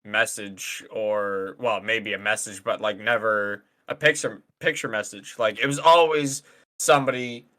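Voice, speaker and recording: Young male co-host, blunt and profane, bright edge to the voice. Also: on the low side, fairly even intonation, a little slow. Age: 20s. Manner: swears freely, blunt. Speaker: podcast co-host. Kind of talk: casual chat.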